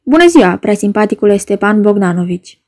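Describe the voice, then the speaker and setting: A woman's voice: a little high, mellow, lightly acted. A woman doing a suave mocking foreigner in black. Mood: courteous. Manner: heavy voice, foreign accent, smiling and courteous.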